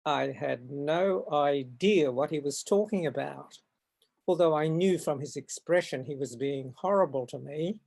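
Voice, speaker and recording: Older aussie guy in his 70s, gravelly, talks real slow, lots of ums and restarts, on a video call. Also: on the high side, darkish tone. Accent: Australian. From Far North Queensland, Australia. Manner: hesitant, halting, with frequent ums and restarts. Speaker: guest artist. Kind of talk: reflective storytelling in an interview. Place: at home.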